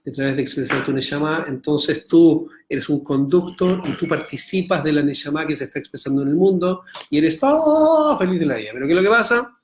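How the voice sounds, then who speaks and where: Chilean rabbi, middle-aged man, somewhat high voice, reads Hebrew then explains, teaching-class energy. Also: animated, brisk, hardly any pauses, a little hiss or hum. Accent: Chilean Spanish. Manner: explains by reading Hebrew text then translating, asks students rhetorical checks. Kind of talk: online Torah class.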